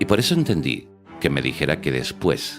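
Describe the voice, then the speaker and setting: Music plays in the background as a man talks with a very deep, low pitch and very wide pitch swings. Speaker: radio presenter. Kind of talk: audiobook narration.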